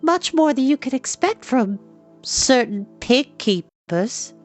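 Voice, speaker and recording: A man's voice: very high-pitched, big pitch swings, normal speed, fairly bright tone, soft background music, voice pushed up, heavily acted. A man voicing a spirited, talkative young girl who teases and scolds. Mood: teasing chatter.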